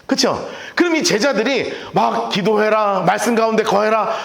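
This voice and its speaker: A man's voice: high voice, moderate pace, vocal fry, fairly bright tone. A male pastor preaching a sermon and telling stories with playful acted voices. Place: church hall. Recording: echoey church hall.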